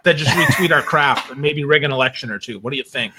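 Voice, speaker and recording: A man's voice: mid-range voice, fast talker, pushed and bright, husky. A man chatting casually as a talk show guest, emphatic and joking in an informal way.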